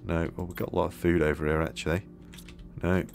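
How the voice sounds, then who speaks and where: Man, deep voice, a bit hoarse, thinking aloud while gaming, light music underneath. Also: fast talker. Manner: relaxed, musing aloud, many fillers. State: hoarse, losing his voice. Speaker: gameplay video host. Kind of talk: casual gameplay commentary.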